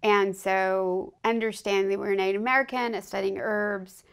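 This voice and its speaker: A woman hosts a conversational interview, speaking earnestly. She agrees with her guest emphatically and builds on her points. Her voice is mid-pitched and plain. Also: steady tone, normal speed, creaky, smooth. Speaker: host.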